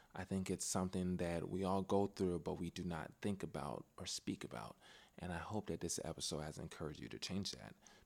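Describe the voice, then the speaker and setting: Speaking at a fairly quick pace, a man with a very deep, low pitch and vocal fry shows ordinary pitch variation on a very clean recording with a silent background. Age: 20s. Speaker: podcast host. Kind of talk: scripted narration; casual chat.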